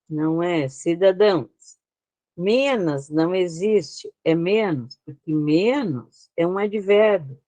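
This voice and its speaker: Her mid-range voice carries a darkish tone with no echo as she teaches an online class. With a Brazilian Portuguese accent, the Brazilian woman explains each slide in sequence and keeps checking that her students understand.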